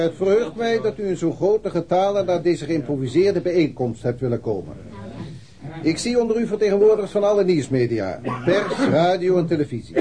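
A self-important male police commissioner making a formal speech in a radio drama. His voice is high for a man, with a mellow tone. He phrases everything with orotund pomp.

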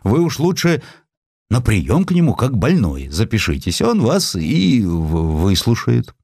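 A male narrator puts on a panicky clinic doorman in a historical audiobook. The voice jumps high and swoops about as he pleads in a flustered, imploring way. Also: huge pitch swings, measured pace, vocal fry, darkish tone, slightly rough, no echo, studio quality, exaggerated voice. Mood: alarmed, pleading.

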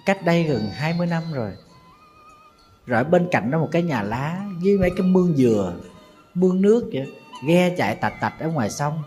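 A Buddhist monk with a Southern Vietnamese accent tells a sorrowful story as a sermon, his voice sitting a little high for a man. He talks straight to his listeners in a slow, grieving way. Soft music plays faintly underneath. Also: very animated. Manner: mournful storytelling, calls himself teacher and addresses listeners directly.

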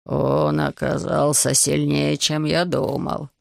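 A storybook reader voicing a loyal young male dragon, speaking in a quiet, steady, solemn way. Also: mid-range voice, takes it slowly, vocal fry, no room sound, clean studio sound, voice pushed down.

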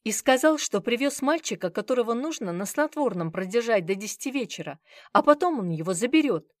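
A woman's voice: fairly high pitch, animated, a little fast, no room sound, studio quality, pitched above the performer's own voice, natural voice. Woman doing a terrified little manager guy, stammers, begs. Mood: frightened. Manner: stammering, pleading. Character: frightened cowering male bar manager.

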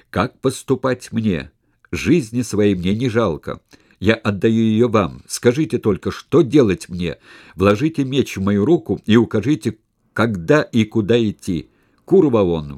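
A vengeful, hot-tempered former convict, acted out by a man narrating a novel spits out clipped, raging demands. The voice sits low and dark, close and dry with no room around it. He sounds ready to grab a sword. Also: dry recording. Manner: shouting, clipped angry outbursts. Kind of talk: audiobook character reading.

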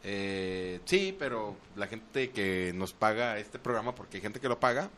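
A Mexican man hosting lively comedic radio banter in a teasing, foul-mouthed, exuberant manner. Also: fairly low pitch, unhurried, slight background noise. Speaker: radio show host.

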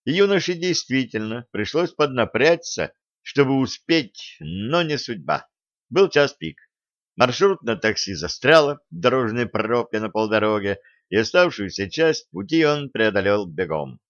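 A man reading an audiobook as narrator in a steady, even storytelling manner. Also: medium pitch, unhurried, dry recording, highs cut off. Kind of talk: scripted narration.

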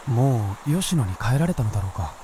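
A man's voice: medium pitch, very animated, brisk, background noise, lightly acted. An actor playing a centuries-old male white fox spirit guarding a mountain, musing and solemn in a radio drama. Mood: musing, watchful.

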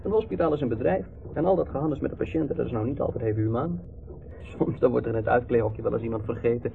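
An actor playing a talkative, good-natured, dreamy young drifter in a radio play, wry and rambling. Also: male voice, medium pitch, fast talker, gravelly. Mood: soothing, chatty. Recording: muffled, noisy old radio play recording.

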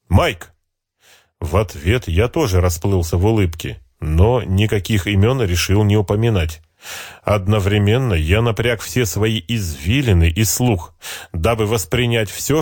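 Man, audiobook narrator, lowish voice, wry reflective reading, dry close sound. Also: a little mellow, no room sound. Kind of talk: first-person audiobook narration.

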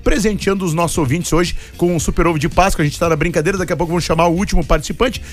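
Fast-talking radio host. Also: male voice, high voice, steady tone, faint music behind. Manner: jokey, rushed announcer delivery. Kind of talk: casual radio banter and live sponsor plugs. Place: radio studio.

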